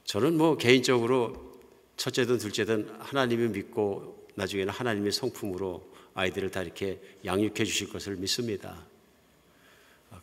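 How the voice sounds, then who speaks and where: Older male pastor in a reverberant church. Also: lowish voice. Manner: conversational, anecdotal storytelling with soft chuckles. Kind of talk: sermon. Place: church sanctuary. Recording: long hall reverb.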